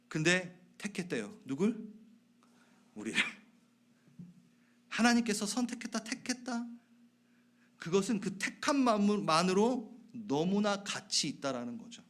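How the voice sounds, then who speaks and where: A man preaching a sermon as pastor of a church, talking conversationally with his congregation, asking them questions and dropping from loud emphasis to soft whispered asides. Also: high voice. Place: church sanctuary.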